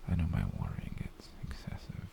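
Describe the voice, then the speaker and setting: A man's voice: moderate pace, lightly acted. A man with a British accent playing a doting, possessive, menacingly sweet boyfriend in a whispered, coaxing ASMR roleplay. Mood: tender, clingy. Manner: coaxing, teasing, theatrical.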